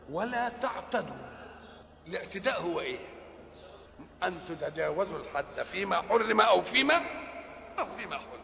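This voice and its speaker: Egyptian man preaching with a high, gravelly voice. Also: sharp tone. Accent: Egyptian Arabic. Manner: asks rhetorical questions and answers them himself. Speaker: religious lecturer. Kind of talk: sermon explaining scripture. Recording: dull lo-fi recording with long hall reverb.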